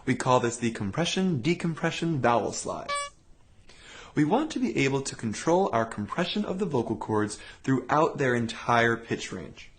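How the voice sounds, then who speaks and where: A man leads a voice lesson, explaining each exercise in a calm, clear, step-by-step way. His pitch moves around a lot as he talks. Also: normal speed. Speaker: voice teacher. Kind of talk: instructional voice lesson.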